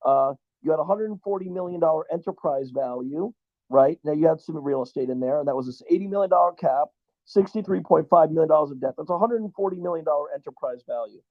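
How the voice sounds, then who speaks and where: A man's voice: high voice, no echo, highs cut off. A man arguing the bull case in a stock debate, reeling off valuation figures with repeated stammers. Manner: argumentative, reels off figures, stammers. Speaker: debate guest. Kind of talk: bull versus bear debate.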